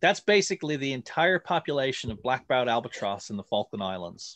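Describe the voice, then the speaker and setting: A man with a Canadian accent speaks at a fairly quick pace, with vocal fry and very wide pitch swings. The background is quiet. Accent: Canadian North American. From Newfoundland, Canada. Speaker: seabird researcher and show host; show host. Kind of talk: online seminar discussion. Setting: video call. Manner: casual and jokey. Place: home room. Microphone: studio mic.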